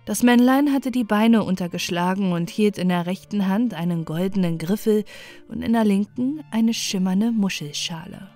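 A woman calmly reading a bedtime fairy tale in a gentle, soothing way. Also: mid-range voice, faint music behind. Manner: slow, soothing, gentle delivery. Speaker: storyteller.

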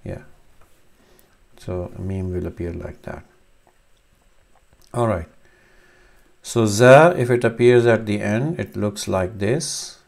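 Slow, gravelly-voiced man teaching letters. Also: on the low side, darkish tone. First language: Urdu. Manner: slow, halting explanation with many fillers. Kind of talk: screen-recorded reading lesson.

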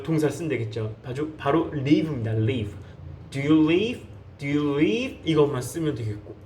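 Korean man, high voice, teaches English by drilling phrases slowly and coaxing learners. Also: a little hiss or hum. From South Korea. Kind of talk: online English lesson.

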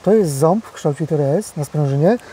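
A man explaining farm equipment in a casual interview outdoors in a field, in a steady, explanatory way. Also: a little high, brisk, a little hiss or hum.

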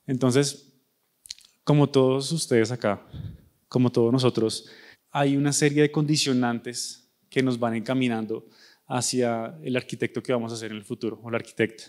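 On the stage of a large, dark auditorium, a young man from Bogotá who works as an architect talks conversationally to university students, speaking to them directly through a handheld microphone. His voice is mid-range and darkish in tone, with fairly even intonation at a moderate pace. He has a Bogotá Colombian Spanish accent.

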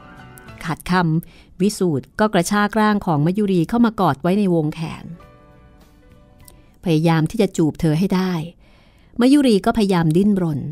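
A woman podcast host calmly reading a novel aloud in a studio. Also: mid-range voice, no echo, soft background music. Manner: calm, measured storytelling. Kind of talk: audiobook narration.

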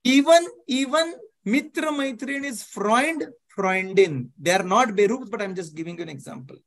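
A man's voice: high voice, animated, moderate pace, fairly bright tone. A man in his thirties with an Indian English accent, teaching a live online German class and often checking that students follow. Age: 30s. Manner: explains step by step, checks understanding often, mixes Hindi. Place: indoor room, video call.

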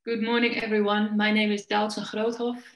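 A woman's voice: mid-range voice, flat delivery, moderate pace, echoey room. A woman from the Netherlands, in her forties, giving an earnest conference talk as a coach over a video call, with frequent restarts. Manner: earnest, searching, many restarts. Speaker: coach and festival speaker. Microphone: video call, laptop.

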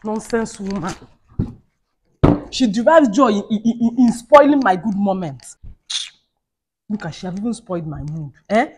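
A woman's voice: mid-range voice, normal speed, pauses often, a little mellow, breathy edge, lightly acted. A woman playing a fiery young wife who rants and scolds, repeating herself. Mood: sulking. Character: fiery young wife feuding with her mother-in-law. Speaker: skit actor. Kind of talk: comedy skit acting.

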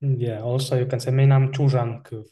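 A young man from the Komi Republic, a native Komi speaker, explains things patiently with small pauses. His voice is very dark and mellow, at a middling pitch, picked up through a headset. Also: level tone. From Komi Republic, Russia. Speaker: guest. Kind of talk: casual video-call interview. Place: small room indoors.

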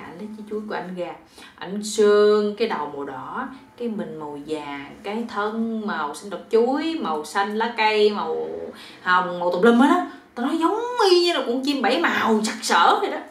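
A woman's voice: medium pitch, recorded from a distance. Chatty Southern Vietnamese woman storyteller. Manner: chatty, with asides and fillers. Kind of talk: casual folk-tale storytelling. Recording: roomy echo.

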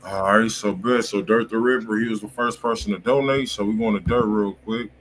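A man's voice: lowish voice, fairly even intonation, a little fast. An American man, around his thirties, hosts a music review live stream with casual, slangy banter. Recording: noisy live-stream room audio.

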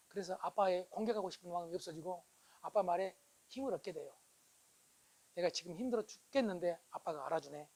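Brisk, high-voiced middle-aged male lecturer who often asks the audience to agree. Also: low-quality recording. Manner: asks the audience for agreement, swings from loud bursts to hushed asides. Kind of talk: animated public lecture. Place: lecture hall.

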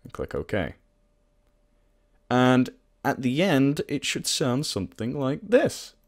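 A man presenting a casual software tutorial in an informal, self-deprecating, sweary way. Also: mid-range voice, big pitch swings, slow pace.

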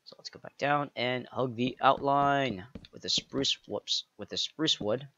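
A man narrating a step-by-step game building tutorial, counting blocks aloud with playful jokey asides and a slightly raspy voice. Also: medium pitch, measured pace, pushed and bright, highs cut off, a little hiss or hum. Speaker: pixel art tutorial creator.

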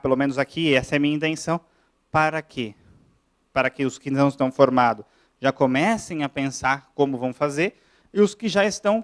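A man from Brazil, a lawyer giving a classroom lecture, talking fast and chatty and checking in with his audience. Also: fairly high pitch, a bit bright. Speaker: lawyer lecturing on pension law.

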